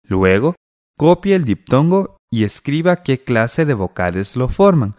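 A man teaching a radio class, reading out exercise instructions and examples in a clear, instructive way. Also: mid-range voice, big pitch swings, measured pace, darkish tone, no room sound, clean studio sound. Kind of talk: scripted radio lesson.

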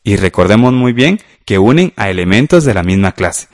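A man's voice: fairly low pitch, sing-song, normal speed, no echo, studio quality. A man teaching a grammar lesson for radio class, patiently walking through exercises step by step.

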